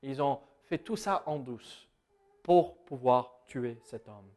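A man's voice: mid-range voice, expressive, slow, a little mellow. A man with an American accent, preaching a conversational sermon with many hesitations and self-corrections. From United States.

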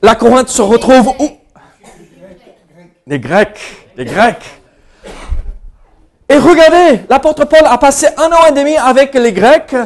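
Man, strong American accent, high voice, hesitant sermon, self-deprecating laughs. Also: big pitch swings. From United States. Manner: halting, many fillers and restarts, laughs at himself. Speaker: preacher.

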